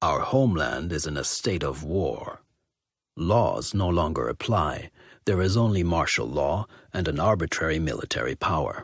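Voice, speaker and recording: In a put-on character voice, a man sounds gruff and very deep at a moderate pace, on a very clean recording with a silent background. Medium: read story. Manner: gruff, blunt.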